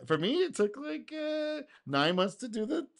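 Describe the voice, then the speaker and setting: A man hosting a casual reaction video, speaking in an animated way, laughing and acting out quotes, his voice going a little hoarse. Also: extremely high pitch, normal speed. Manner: animated, exclaims and laughs, acts out customer quotes. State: getting hoarse.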